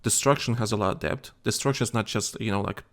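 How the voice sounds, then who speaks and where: A man's voice: lowish voice, fast talker, creaky, a bit bright. A tired man co-hosting a casual gaming chat show, rambling with many restarts and fillers. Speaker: podcast co-host.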